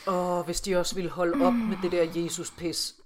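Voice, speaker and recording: A woman's voice: lowish voice, steady tone, a little hiss or hum. A woman co-hosting a podcast in casual chat, sarcastic and swearing often. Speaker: podcast co-host.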